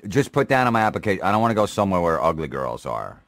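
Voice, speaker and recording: A man's voice: low-pitched, very animated, rapid-fire, dry recording, clean studio sound. A man making a brash, crude prank call to an office. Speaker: prank caller. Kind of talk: cocky prank phone call.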